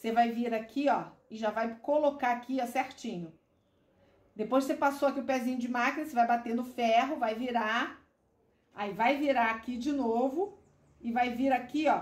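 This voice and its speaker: An animated woman with a high pitch speaks at a moderate pace, leaving long, frequent pauses, with audible room echo around her. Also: ordinary pitch variation. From Niterói, Rio de Janeiro, Brazil; Rio de Janeiro, Brazil. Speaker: sewing and craft instructor; craft instructor. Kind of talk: tutorial. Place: workshop. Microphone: phone near.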